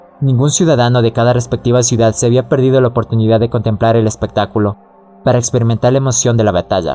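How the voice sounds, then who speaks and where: Music plays in the background as a man talks. His pace is very fast and his intonation fairly even. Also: medium pitch for a man. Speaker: horror story narrator. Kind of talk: audiobook horror story narration.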